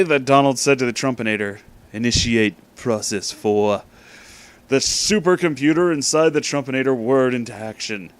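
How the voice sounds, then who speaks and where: A man narrates a comic story in a mid-pitched voice. He tells it dramatically, leaving deliberate pauses and dropping in amused asides as he reads. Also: clean tone, dry recording. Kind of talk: reading a satirical story aloud with amused asides.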